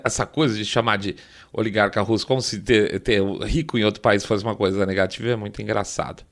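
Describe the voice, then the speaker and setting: A man's voice: fairly low pitch, fairly bright tone. A man with a Brazilian Portuguese accent giving sarcastic, opinionated political commentary on a podcast, often checking in with the listener. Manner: sarcastic, mocking, checks in with a frequent "tá?".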